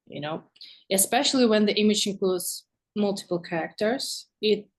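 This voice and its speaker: A woman speaks English as a second language in a casual interview, in the role of a visual artist guest. She pauses and searches for words as she explains her work, at an average pitch. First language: not English.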